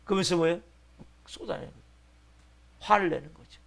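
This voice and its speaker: A man's voice: high voice, brisk, gravelly. A male pastor giving an early-morning sermon, acting out people's voices with rising passion. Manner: animated preaching, acting out patients' voices.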